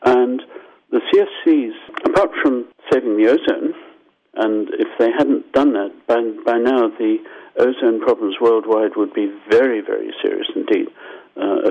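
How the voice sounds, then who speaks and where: Older man from Zimbabwe on a dull phone line. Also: medium pitch. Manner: thoughtful, explanatory, restarts and lively asides. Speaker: scientist guest. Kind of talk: radio interview answers.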